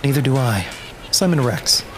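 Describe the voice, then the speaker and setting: A man playing a sardonic, grudge-bearing wasteland survivor in a dark-humor audio drama, dry, wry and guarded. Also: medium pitch, expressive, moderate pace, a little hiss or hum, close to an everyday voice. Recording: music under the voice.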